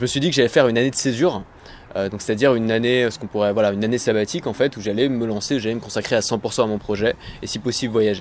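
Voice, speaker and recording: Against noticeable background noise, a man talks very fast at medium pitch with ordinary pitch variation. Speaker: web entrepreneur. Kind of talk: interview.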